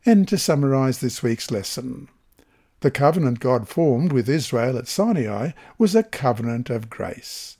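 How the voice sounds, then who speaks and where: A man reading a Bible study lesson aloud in a measured, even scripted delivery. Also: mid-range voice. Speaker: lesson reader.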